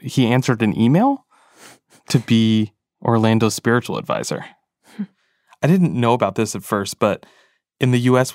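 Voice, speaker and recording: A man's voice: on the low side, no room sound, clean studio sound. A man, a podcast producer, narrating a story in a casual, reflective way with frequent fillers.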